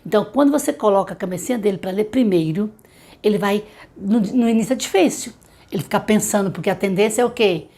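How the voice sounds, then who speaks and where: A middle-aged Brazilian woman, a literacy teacher, giving reading tips straight to parents and slowly sounding out sample words. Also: medium pitch. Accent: Brazilian Portuguese. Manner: warm direct advice to mothers, slow syllable-by-syllable demonstrations. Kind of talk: tutorial talking to parents.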